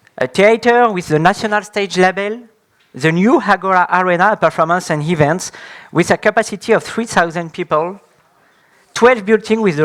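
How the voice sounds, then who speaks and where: A man speaks with a French accent and a high pitch. His pace is moderate and his pitch variation ordinary. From France. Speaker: deputy mayor and political science lecturer. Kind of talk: conference presentation; live translation of a promotional video. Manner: halting.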